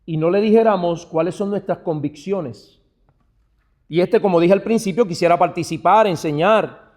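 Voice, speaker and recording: A man from Puerto Rico with a Puerto Rican Spanish accent, a pastor teaching other pastors. He calls his listeners brother, asks them rhetorical questions, and moves from hushed asides to emphatic, stressed phrases. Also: sits high, normal speed. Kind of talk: church teaching talk.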